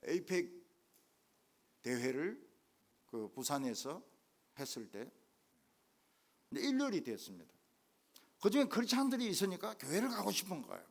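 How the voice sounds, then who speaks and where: An older man preaching a revival sermon as a guest pastor, jumping from loud exclamations to hushed asides. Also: high voice, moderate pace, creaky, pauses often. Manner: animated, swinging from loud exclamations to quiet asides. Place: church main sanctuary.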